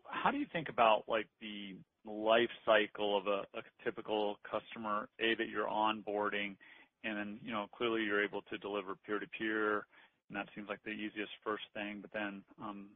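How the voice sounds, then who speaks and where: A man, a financial analyst, asking an unscripted question on an earnings call, halting as he circles toward his point. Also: fairly low pitch, little pitch movement, no echo. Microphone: phone. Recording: dry, narrow phone line.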